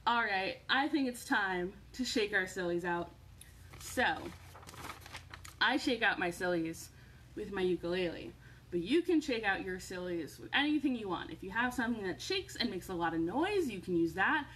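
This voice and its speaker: A young adult woman presenting an upbeat children's storytime in an animated, encouraging way, recorded in a room at home. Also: mid-range voice, normal speed, a little hiss or hum. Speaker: children's librarian hosting storytime. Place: indoors, living room at home.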